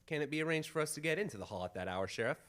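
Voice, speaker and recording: An actor playing a confident, commanding gentleman detective in a radio mystery, formal and theatrical. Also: a little high, lively intonation, very fast. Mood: composed, probing. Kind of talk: old-time radio mystery acting.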